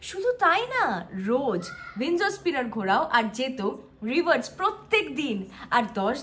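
A woman's raised, projected voice with very wide pitch swings. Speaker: vlogger doing sponsored ad. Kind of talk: sponsored ad read. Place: home room.

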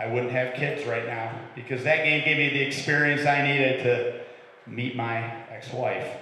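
Over light background noise and strong room echo, a man speaks at a moderate pace. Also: medium pitch for a man. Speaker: stand-up comedian. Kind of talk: stand-up. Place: stage.

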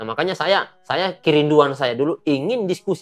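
Over a quiet background, a man talks. His intonation is lively. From Central Sulawesi, Indonesia (Poso); Central Sulawesi. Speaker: guest. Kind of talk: testimony. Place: office.

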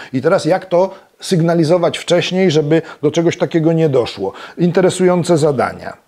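Over a quiet background, a man with a dark, mellow tone and a high pitch talks at a fairly quick pace, keeping very even loudness and fairly even intonation. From Poland. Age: old. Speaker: electronics educator and magazine publisher; electronics educator. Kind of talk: tutorial. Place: workshop. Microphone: lapel.

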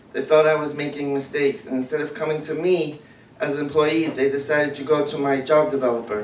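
A man talks very fast in a fairly high voice with fairly even intonation, over light background noise and audible room echo. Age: 30s. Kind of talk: prepared personal testimony. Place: hall.

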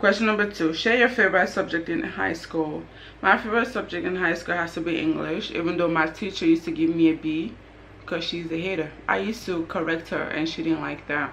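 With a Nigerian accent, a woman speaks at a fairly quick pace in a fairly low pitch with ordinary pitch variation, over light background noise. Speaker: vlogger. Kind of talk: casual talk to camera. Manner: chatty, informal. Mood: relaxed, playful. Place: home room. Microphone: camera far.

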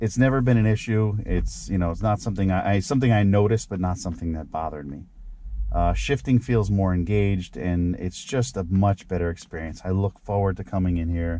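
A man with a very deep, low pitch and a dark, mellow tone, at a fairly quick pace with ordinary pitch variation, in a dry sound with no echo over light background noise. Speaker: car owner reviewing part. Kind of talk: product review talk. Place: car. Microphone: phone near.

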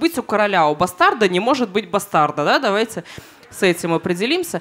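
A woman with a fairly high voice swings very widely in pitch. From Saint Petersburg, Russia. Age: 30s. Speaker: stand-up comedian. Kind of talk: stand-up comedy set, with crowd banter. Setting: stage with live audience, on a boat. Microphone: handheld.

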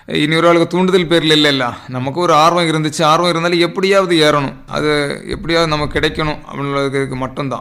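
A man's fairly high pitch with fairly even intonation over noticeable background noise. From Kanyakumari district, Tamil Nadu. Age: 40s. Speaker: palm tree climber and palm jaggery producer. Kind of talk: radio interview.

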